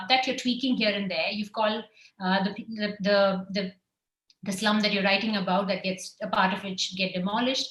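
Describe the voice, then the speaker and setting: Bright-voiced hesitant woman moderator. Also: medium pitch. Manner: hesitant, many fillers, searching for words. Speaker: panel moderator. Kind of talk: panel discussion. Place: festival venue. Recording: roomy hall.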